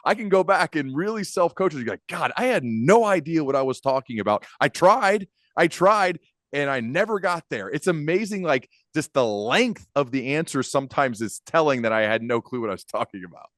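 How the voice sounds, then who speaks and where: A man's voice: fairly high pitch, expressive, normal speed, fairly bright tone, no room sound. Man chatting in a close, dry studio. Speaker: podcast host. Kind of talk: casual interview chat. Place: dim home studio. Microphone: large microphone close to mouth.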